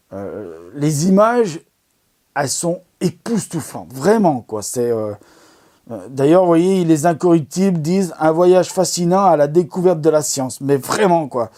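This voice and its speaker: A man's voice: fairly high pitch, dark tone. A man hosting an amateur astronomy video, recommending documentaries in a casual, enthusiastic and rambling way, full of fillers and restarts. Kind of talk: casual product recommendation talk.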